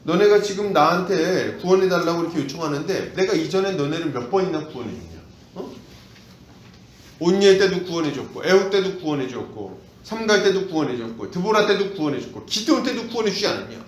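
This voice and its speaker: A pastor putting on a sarcastic, scolding voice for God, recorded in an echoey church hall. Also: male voice, a little high, expressive, a little fast, a little hiss or hum, close to an everyday voice.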